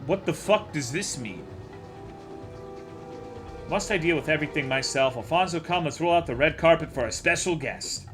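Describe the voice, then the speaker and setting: A scheming aristocratic villain, read by a man in a visual-novel style game. He issues haughty, impatient orders in a slightly high voice. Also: expressive, normal speed, pauses often, music in the background, natural voice. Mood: imperious.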